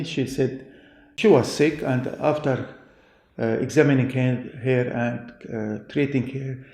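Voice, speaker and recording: Male interviewee, Middle Eastern accent, non-native English, creaky voice, halting delivery, roomy sound. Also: mid-range voice, dark tone. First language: not English. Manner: halting, deliberate phrasing. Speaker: pastor and doctor being interviewed. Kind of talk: interview answers, personal testimony. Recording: echoey room.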